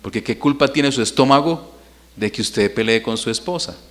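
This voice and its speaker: A man's voice: mid-range voice, moderate pace. A man, preaching a Sunday sermon in church and putting questions to the congregation. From Colombia. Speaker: pastor.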